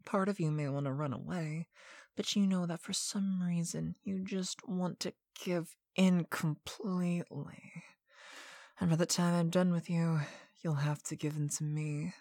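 Woman, lowish voice, very slow, soft and commanding, half-whispered hypnosis roleplay, dry close-mic sound. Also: steady tone, no echo. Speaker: hypnosis audio narrator.

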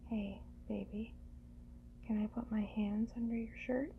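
Woman acting a doting teasing lover, slow n gentle, breathy with fry, asmr roleplay, kinda muffled. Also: a little high, steady tone, a little hiss or hum. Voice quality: breathy, often slipping into whispers. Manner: gentle, coaxing, soothing. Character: doting, teasing, reassuring lover playing a nurturing caretaker. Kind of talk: intimate roleplay audio, ASMR.

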